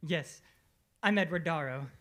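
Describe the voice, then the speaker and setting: An actor playing a courteous, apologetic village gentleman in a radio mystery, with formal manners. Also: a little high, a little slow. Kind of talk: old-time radio mystery acting.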